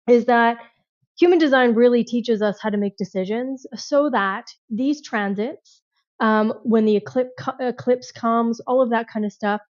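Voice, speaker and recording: A woman's voice: a little high, a little mellow. A woman hosting a group video call, talking loosely with many fillers and restarts. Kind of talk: casual group chat. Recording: dull lo-fi call audio.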